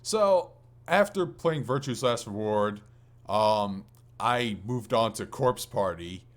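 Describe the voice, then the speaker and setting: A man's voice: on the low side, animated, slow pace. A man co-hosting a casual gaming podcast, talking enthusiastically in loose, slangy language with some mild swearing. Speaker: podcast co-host.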